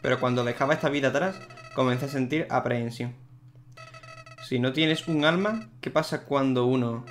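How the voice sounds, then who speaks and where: A man's voice: mid-range voice, moderate pace, faint music behind, natural voice. A man reading a cold, soulless talking flower. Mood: somber. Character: sinister soulless talking flower, once a boy.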